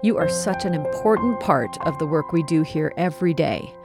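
A woman reading a scripted thank-you announcement for a public radio station, deliberate and gracious. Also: sits low, expressive. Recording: over a music bed.

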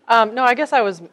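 A woman's voice: a little high, very noisy. A middle-aged woman from Colorado, talking casually in an interview and often saying "you know". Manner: chatty, frequent "you know". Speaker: guest. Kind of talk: conversational interview.

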